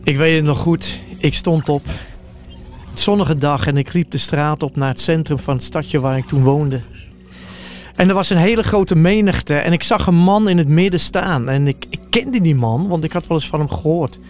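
Earnest high-voiced male storyteller. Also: moderate pace, soft background music. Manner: vivid, earnest eyewitness telling. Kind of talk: first-person dramatic Bible storytelling.

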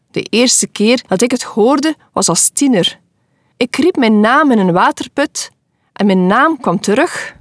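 A woman's voice: on the high side, no room sound, clean studio sound. A woman hosting a short Christian devotional podcast, speaking earnestly and encouragingly as a wife and mother. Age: adult. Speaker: podcast host giving devotionals.

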